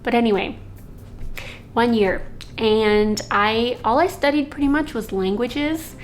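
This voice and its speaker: A woman's voice: a little high, unhurried, slight background noise. A young woman born in Slovakia, a native Slovak speaker, telling a rambling personal story as a vlogger, with many fillers. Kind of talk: casual storytelling.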